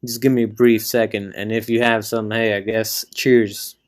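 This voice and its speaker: A man's voice: fairly low pitch, little pitch movement, normal speed. A young man from Florida, raised in Puerto Rico, hosting an unedited solo podcast and telling a story in a rambling, profane, self-deprecating way. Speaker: podcast host.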